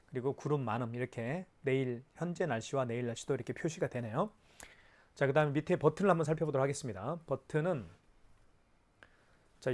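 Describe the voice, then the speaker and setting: A man presenting a product in a hands-on tutorial, explaining step by step in an instructive way with rhetorical questions. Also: mid-range voice.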